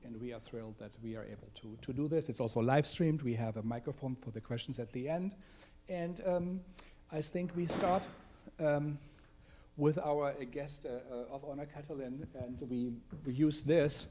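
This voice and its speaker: A man hosting and introducing an evening talk event, speaking in a halting way with many fillers. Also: mid-range voice, dark tone, a little hiss or hum. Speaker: event host. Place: theater event space.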